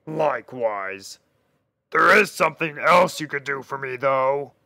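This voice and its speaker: A man voicing a grumpy, indignant river shark with a gravelly, forceful voice and a blunt manner, for a story reading. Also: mid-range voice, expressive, a little slow, no room sound, studio quality, full character voice. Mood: grudging. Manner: blunt, aggrieved.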